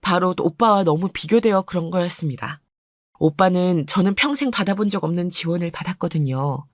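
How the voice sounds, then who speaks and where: Woman storyteller, calm confiding first-person narration, dry and close. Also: fairly low pitch, fairly quick, dry recording.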